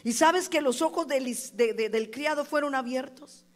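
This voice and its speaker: A woman pastor preaching a sermon, animated, acting out quoted voices and calling on the congregation to respond. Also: sits high, normal speed.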